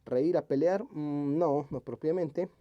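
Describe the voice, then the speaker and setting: A man, a teacher working through exam questions aloud, humming as he thinks and slowly rereading each option. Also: a little high, mellow, muffled recording.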